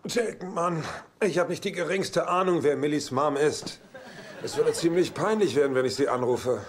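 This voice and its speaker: A man's voice: a little high, moderate pace, close to an everyday voice. An actor playing a middle-aged, cynical, laid-back womanizing bachelor in a German-dubbed sitcom, dry and wisecracking. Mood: exasperated, wry. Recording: very noisy TV soundtrack with clicks.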